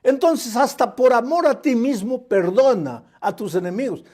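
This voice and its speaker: A man, a pastor, preaching a sermon in an earnest, measured way, speaking straight to the listener with frequent short pauses. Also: very high-pitched, expressive, a little mellow. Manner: addresses the listener directly as "you".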